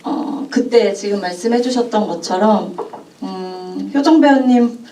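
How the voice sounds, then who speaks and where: Measured woman director in a roomy hall. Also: medium pitch, mellow, distant mic. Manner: measured, searching for words, repeated phrases. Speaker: film director at a Q&A. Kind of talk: explanatory answer at a screening talk. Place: cinema auditorium. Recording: echoey cinema, from afar.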